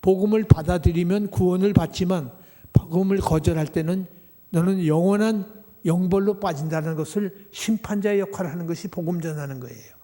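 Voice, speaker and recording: Korean pastor preaching in a reverberant church. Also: male voice, high voice, brisk, dark tone. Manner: preaching with rhetorical questions to the congregation. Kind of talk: sermon. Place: church sanctuary. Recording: long hall reverb.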